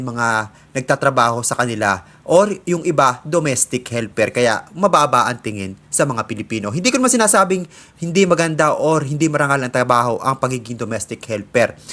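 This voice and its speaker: A man from the Philippines hosting opinion commentary, speaking in a measured way with frequent filler sounds. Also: a little high, bright, forceful tone. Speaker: commentary host.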